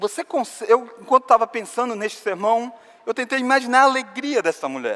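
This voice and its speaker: A man with an extremely high pitch speaks in a raised, projected voice at a fairly quick pace. The sound is dry and close with no echo, though background noise is noticeable. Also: ordinary pitch variation. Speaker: pastor. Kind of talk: church sermon.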